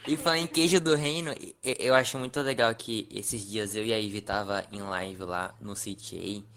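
A man's voice: fairly low pitch, a bit bright. Giggly young man on a podcast call. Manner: joking, laughs often. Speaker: podcast host and editor. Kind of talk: casual podcast chat.

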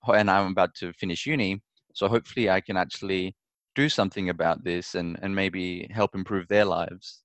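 Young guy from perth, low voice, dry close sound, easygoing interview answers. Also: brisk, no echo. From Perth, Australia. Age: young adult. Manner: friendly, relaxed, repeats words as he thinks. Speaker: interview guest, startup founder. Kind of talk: conversational interview.

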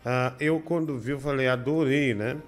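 A man's voice: medium pitch, moderate pace. A man runs his live stream in loose, rambling chat. He shows objects to the camera and keeps tagging his talk with little fillers. Faint music plays underneath. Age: adult with a daughter. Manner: rambling, full of "né?" and "ó" tags.

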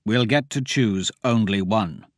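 A man voicing a grumbling male thief who speaks in a gruff, curt way. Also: lowish voice, a little slow, no echo, clean studio sound, close to an everyday voice.

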